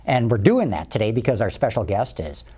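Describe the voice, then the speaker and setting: Husky Midwestern man hosting a show. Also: fairly low pitch, very animated, brisk, dark tone. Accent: Midwestern American. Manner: folksy, blunt questions. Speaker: host. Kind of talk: casual interview hosting.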